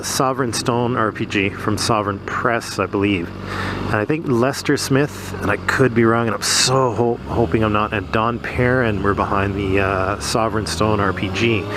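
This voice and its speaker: A man with a cold and a stuffy nose, rambling casually in a vlog with lots of fillers. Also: mid-range voice. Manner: rambling, many fillers and restarts. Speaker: vlogger. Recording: loud background noise.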